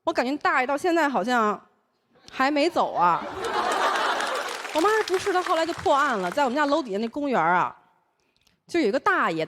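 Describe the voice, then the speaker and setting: A woman's voice: high voice, noisy background. A young woman from Taiwan who speaks with a Beijing accent, doing a playful stand-up comedy set. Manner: playful, animated storytelling with a drawling northern twang.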